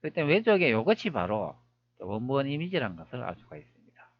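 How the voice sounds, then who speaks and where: Man musing aloud over images, lively pitch. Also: fast talker, muffled recording. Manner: musing aloud with many rhetorical questions. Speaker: history video creator. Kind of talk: screen-recorded commentary.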